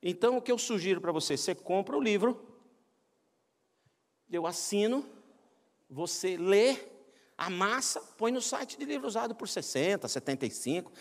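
A man's voice: high voice, moderate pace, pauses often. A middle-aged man with a Brazilian accent preaching a humorous sermon, telling personal stories and acting out the voices of the people in them. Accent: Brazilian Portuguese. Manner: animated, acts out quoted voices, self-mocking jokes. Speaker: pastor. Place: large church sanctuary. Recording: church hall reverb.

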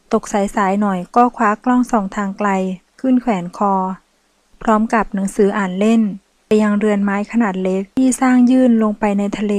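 A woman's voice: mid-range voice, a little mellow, dry recording. Woman narrating a romance novel, dry and close.

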